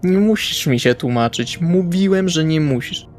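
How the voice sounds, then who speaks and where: A man's voice: on the high side, expressive, moderate pace, faint music behind, lightly acted. A man playing a blunt, jaded but protective ex-military vampire who swears, in an improvised roleplay audio drama. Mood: reassuring.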